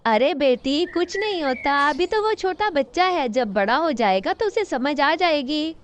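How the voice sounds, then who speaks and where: A woman's voice: high voice, lively intonation, unhurried, a little hiss or hum. A woman voicing an indulgent old grandmother bird in a cartoon, soothing and doting.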